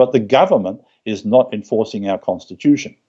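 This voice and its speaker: A man in an Australian accent speaks at a moderate pace with lively intonation. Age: 60s. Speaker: political activist group leader. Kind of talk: interview.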